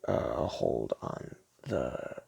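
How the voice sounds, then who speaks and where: A man doing a soft-spoken ASMR roleplay as a store clerk, talking in a casual, hesitant, rambling way. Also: extremely low pitch, sing-song, slow pace, gravelly, breathy edge, dry recording. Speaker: ASMR creator playing a DVD store clerk.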